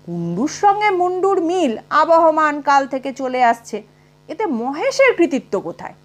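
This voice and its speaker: A woman narrates a comic short story as an audiobook, with expressive delivery. Her voice sits high and moves through wide, lively rises and falls. A faint mains hum lies beneath the recording. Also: moderate pace.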